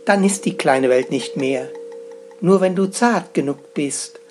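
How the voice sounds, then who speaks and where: A man voicing a calm, wise spider that guards the entrance to a tiny world, speaking slowly and solemnly. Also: fairly high pitch, faint music behind, lightly acted.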